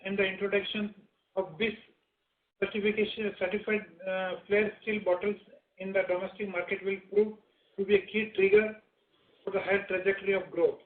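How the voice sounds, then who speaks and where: High-pitched Indian man on echoey phone line. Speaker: managing director. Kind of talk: prepared opening remarks on earnings call.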